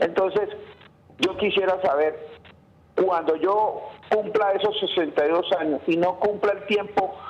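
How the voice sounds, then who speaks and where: A man speaks in a high voice with fairly even intonation. His pace is fairly slow, broken by long, frequent pauses. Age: 50s. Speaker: caller. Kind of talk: call-in question.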